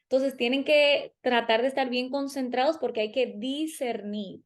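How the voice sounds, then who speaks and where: A woman's voice: high-pitched, moderate pace. A woman co-hosting a podcast, explaining exam strategy and speaking directly to listeners with worked examples. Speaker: podcast co-host.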